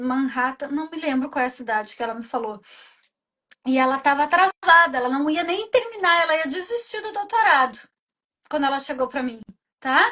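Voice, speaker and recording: A woman speaks at a moderate pace in a raised, projected voice that is high, bright and sharp, with an animated tone and very wide pitch swings. She leaves long, frequent pauses. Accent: southern Brazilian. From southern Brazil (Rio Grande do Sul). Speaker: emotional coach and meditation leader. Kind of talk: live stream talk. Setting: live stream.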